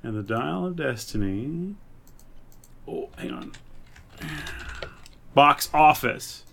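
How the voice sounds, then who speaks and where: A man's voice: medium pitch, lively intonation, slow, gravelly, a bit bright, a little hiss or hum. A man co-hosting a podcast, chatting casually about movies in short, offhand remarks. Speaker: podcast co-host.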